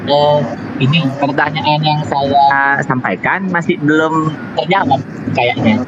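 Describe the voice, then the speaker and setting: A man asks his question in a halting, stop-start way, his voice pitched a bit high. His microphone clips and breaks up into crackly distortion, and steady noise hangs under the call audio. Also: muffled recording. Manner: hesitant, halting questioner with restarts. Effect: clipping, crackling distorted mic. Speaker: caller in a live online religious discussion.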